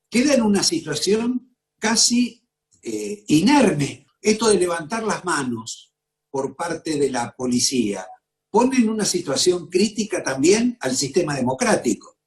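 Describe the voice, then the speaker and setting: A man with a Rioplatense accent hosting a TV political interview, interjecting with measured questions. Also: high voice, sing-song, echoey room. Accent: Rioplatense Spanish. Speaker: TV interview host.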